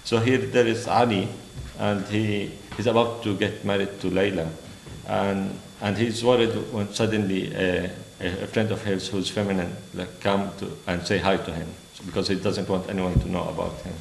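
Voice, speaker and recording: A man with Arabic as his first language speaks as an author at a literary reading. His voice is low and gravelly with creak. The room adds a noticeable echo around him. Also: steady tone, normal speed. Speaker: novelist reading from his own book. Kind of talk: author reading and commenting at an event. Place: indoor literary venue. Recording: roomy echo, faint background noise.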